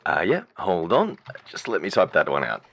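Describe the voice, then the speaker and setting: A man's voice: low voice, wildly swooping pitch, creaky, a bit bright, lo-fi sound, exaggerated voice. A man playing a polite, businesslike relay service officer who passes on a caller's words in a matter-of-fact way. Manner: matter-of-fact, courteous, halting while typing. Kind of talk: phone call on a radio drama.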